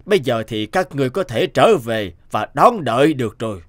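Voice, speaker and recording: An actor playing a pompous, authoritative tribal chief who scolds sternly in a fairy-tale cartoon. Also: male voice, medium pitch, sing-song, fairly quick, no room sound, studio quality, close to an everyday voice. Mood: solemn announcing. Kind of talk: animated fairy-tale acting. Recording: music behind the voice.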